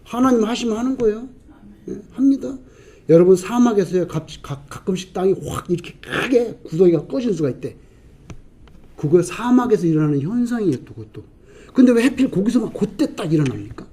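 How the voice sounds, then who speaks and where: A man preaching a sermon as a pastor, putting rhetorical questions to the congregation and answering them himself, swinging between loud emphasis and quiet asides. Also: sits high, sing-song, fairly quick, husky.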